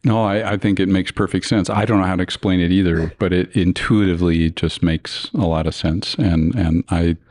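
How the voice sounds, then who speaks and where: An American man in thoughtful casual conversation, affirming others and piecing his sentences together haltingly. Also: low-pitched, steady tone, darkish tone, no room sound, studio quality. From United States.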